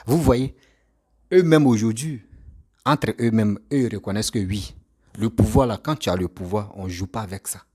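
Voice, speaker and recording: A man's voice: lowish voice, moderate pace, a little mellow, husky. A man commenting on a clip, talking directly to his audience and leaning on proverbs. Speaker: online commentator. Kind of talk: commentary addressed to viewers.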